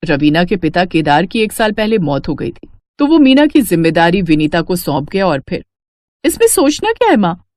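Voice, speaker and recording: A woman's voice: lowish voice, lively intonation, normal speed, few pauses, a little mellow, no room sound. A female narrator tells a scripted story. Her delivery is that of a storybook reader, recorded dry with hardly any room sound.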